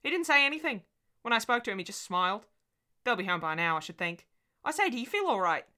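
A woman's voice: fairly high pitch, sing-song, fast talker, pushed and bright, voice pushed up. A woman voicing a cheerful young schoolteacher, chatty and breezy.

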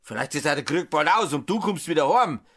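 An actor playing a gruff farmer father with a Bavarian accent, blunt and reproachful, in an audiobook drama. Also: a little high, expressive, a little fast, a bit bright, heavily acted. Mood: stern outrage. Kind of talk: dialect audiobook drama acting.

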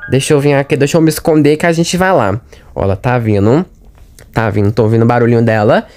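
A man's voice: medium pitch, quick pace, a little mellow, faint music behind. Jumpy Brazilian man narrating a horror game. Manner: chatty and jumpy, talks straight to viewers. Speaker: gaming channel host. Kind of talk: horror game let's play commentary.

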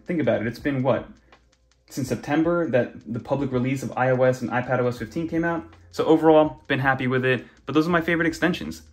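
A man's voice: mid-range voice, darkish tone. A young man casually walking through tablet browser features in a chatty, conversational way. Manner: chatty, conversational, many fillers. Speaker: tech YouTuber. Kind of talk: casual screen walkthrough.

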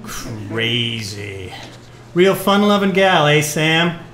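A woman's voice: low voice, sing-song, drawn-out words, fairly bright tone, heavily acted. A woman acting a bitter, wisecracking retired male jazz musician in a live noir audio play, talking in hep-cat slang. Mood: sardonic, weary. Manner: hep-cat slang, sardonic, stammers when rattled. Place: live on stage in a club.

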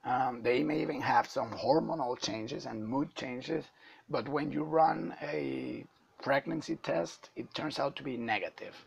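A man with a hoarse voice from a flu, giving a halting lecture over slides to medical students. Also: mid-range voice. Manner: halting, many uh fillers. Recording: dull lo-fi.

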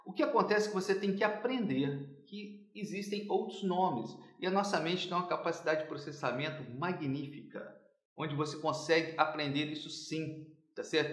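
High-voiced man explaining patiently. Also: fairly quick, roomy sound. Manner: didactic, checks in with "tá certo?" often. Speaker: businessman, English school owner. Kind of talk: explaining in an interview.

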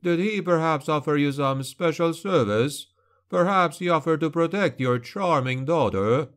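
A man voicing an arrogant young nobleman bully in an audiobook, snarling and mocking with a slight drawn-out lisp. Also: mid-range voice, close to an everyday voice. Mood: menacing.

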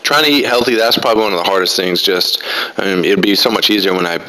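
A man in his twenties giving relaxed, rambling voice-over commentary on his own workout, full of fillers. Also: deep voice, fast, low-quality recording. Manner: laid-back, rambling, many fillers. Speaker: fitness vlogger.

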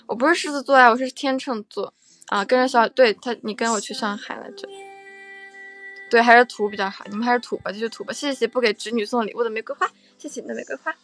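A woman's voice: fairly high pitch, quick pace, fairly bright tone, soft background music. A young woman hosting a casual livestream, chatting with viewers in a playful, teasing way and often repeating her phrases. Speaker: livestream host.

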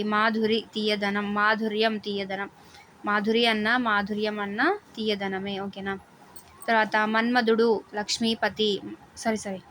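A woman reads through a vocabulary list in a steady, even voice, saying most words twice. She often stops to check that listeners are keeping up. A faint hiss sits under the recording. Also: medium pitch. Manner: repeats each word twice, checks in with "okay?". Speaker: teacher. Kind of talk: reading out word meanings for exam prep.

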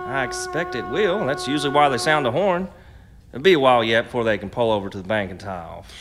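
Here a man plays the same kind of guarded, obstinate, protective riverside stand keeper for a period radio piece, clipped, dry and folksy. His mid-range voice moves at a quick pace and is very animated.

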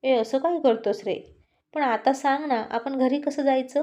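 A spirited young college girl, as a woman storyteller gives her voice, playful yet firm and loyal. Her voice is high with a mellow, warm tone. It sounds like a spoken storybook. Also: level tone, normal speed, natural voice.

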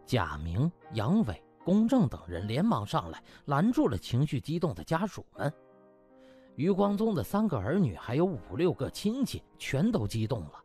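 A man's voice: medium pitch, a little mellow, breathy edge. A man narrating a comic novel in a dramatic, theatrical storytelling style. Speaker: audiobook narrator.

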